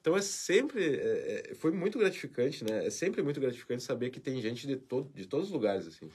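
A male host talks through viewer comments on a live stream. His voice sits at an ordinary middle pitch and has a soft, emotional tone, and he keeps dropping in little tag questions. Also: very animated, fairly quick, slightly rough. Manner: emotional, warm farewell talk with frequent "né?".

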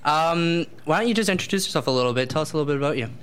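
A man's voice: fairly high pitch, animated, a bit bright, clean tone. Upbeat male interview host. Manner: enthusiastic, encouraging, quick asides. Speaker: show host. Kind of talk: upbeat company interview show.

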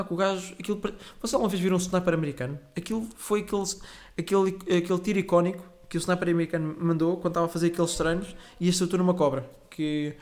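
A man's voice: on the high side, darkish tone. A young man, telling a rambling, swearing, self-correcting story as a podcast host. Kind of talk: casual solo storytelling.

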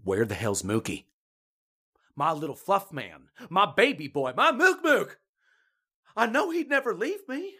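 A small-town woman distraught over her pet in an audio drama. Her voice is husky and swings wildly up and down. She is folksy, emphatic and full of suspicion. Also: mid-range voice, sing-song, measured pace, pauses often, a bit bright, exaggerated voice. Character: distraught, feisty small-town cat owner, agitated and conspiratorial. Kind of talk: dramatic podcast monologue.

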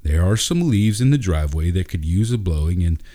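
A man's voice: low voice, animated, fairly quick, mellow. Man as a hesitant, kindly dad. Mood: reassuring. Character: hesitant, kindly working father talking to son.

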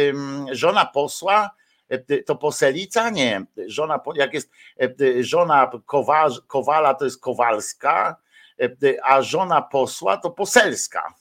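A man's voice: medium pitch, sharp tone. A man giving casual, rambling live-stream commentary, with lots of hesitations and crude slangy asides.

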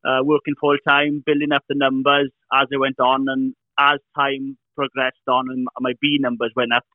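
A man's voice: medium pitch, moderate pace, no echo. Welsh man on a tinny call line. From Wales. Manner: relaxed storytelling with frequent repeats. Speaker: beekeeper guest. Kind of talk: casual interview over a call. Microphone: remote call.

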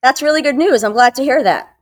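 A woman's voice: sits high, fairly quick. A woman hosting a medical interview, asking questions and confirming answers. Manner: inquisitive, confirming, friendly follow-ups.

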